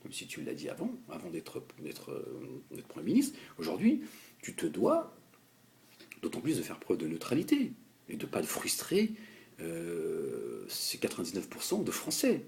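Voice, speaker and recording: Deep-voiced man in a heated monologue. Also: creaky. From France. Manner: animated, halting, repeats words, addresses the politician directly. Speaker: political commentator.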